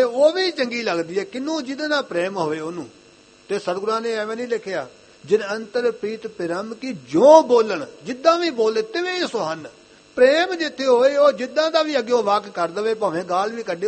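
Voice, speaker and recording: High-voiced man preaching a Sikh sermon. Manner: earnest, repeats phrases, recites scripture lines slowly and chanted. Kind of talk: sermon with scripture recitation.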